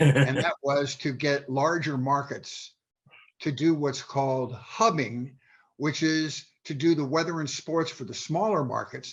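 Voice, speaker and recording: Against a quiet background, a man speaks fairly slowly in a fairly high, somewhat breathy voice with ordinary pitch variation. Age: 70s. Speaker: retired TV weatherman and stand-up comedian. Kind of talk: casual interview chat. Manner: halting, many fillers and restarts.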